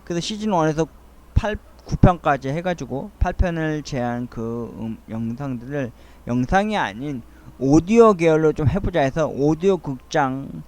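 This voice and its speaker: A middle-aged man with a slightly high-set voice talks to himself in an essay-like ramble. He pauses often and sounds earnest and a little wistful, as the host of a solo monologue. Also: a little mellow. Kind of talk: rambling soliloquy, audio essay.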